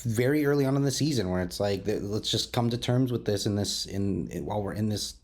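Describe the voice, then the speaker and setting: A man's voice: on the low side, fairly quick, darkish tone. A man hosting a roundtable discussion, talking enthusiastically and often repeating or rephrasing mid-sentence. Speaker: podcast host and interviewer.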